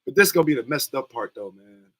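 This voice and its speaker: Animated and quick, a young man's scratchy voice sits at medium pitch with a fairly bright tone. Hosting a wrestling watch-along livestream, he rambles casually and talks in slang.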